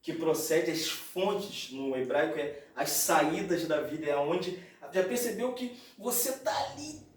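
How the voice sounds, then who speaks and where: Pastor preaching, high voice, big echo, mic kinda far away. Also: male voice, a little slow. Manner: animated storytelling preacher, addresses listeners as brother. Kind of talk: sermon. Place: church hall. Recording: echoey church, mic far off.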